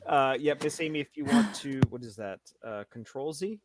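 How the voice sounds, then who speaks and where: A man playing a tabletop game, chatting in a playful, animated way. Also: a little high, moderate pace, background noise. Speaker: player. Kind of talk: casual tabletop play.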